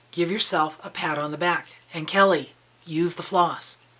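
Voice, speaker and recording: A woman speaks with fairly even intonation. Noticeable noise sits in the background. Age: 60s. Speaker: cross-stitch video creator. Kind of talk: casual chat. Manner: chatty, meandering.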